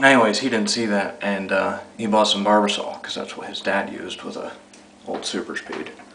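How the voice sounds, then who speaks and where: A soft-spoken man talks at a moderate pace with long, frequent pauses and big swings in loudness. There is audible room echo and noticeable background noise. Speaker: shaving video blogger. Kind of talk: casual monologue while shaving. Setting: at home, daughter napping nearby. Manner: quiet, soft-spoken; rambling with fillers.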